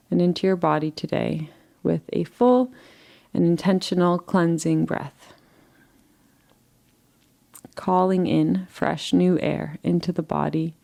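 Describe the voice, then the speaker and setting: Mellow, low-voiced woman guiding meditation. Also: gravelly. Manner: soothing, gentle, unhurried with pauses. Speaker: guided meditation teacher. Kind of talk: guided relaxation meditation, live session.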